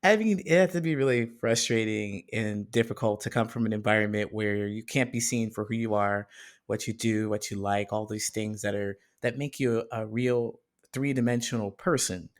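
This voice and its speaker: A man's voice: lowish voice, normal speed. A man hosting a podcast interview, thoughtful and searching for his words, with a joking streak. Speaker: podcast host. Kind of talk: casual interview conversation.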